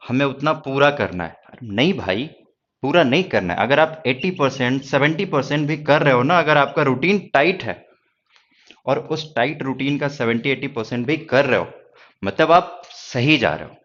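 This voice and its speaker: A man's voice: a little high, fairly bright tone, muffled recording. A man with a Hindi accent teaching a stenography class, reassuring his students and asking them rhetorical questions. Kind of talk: classroom lecture.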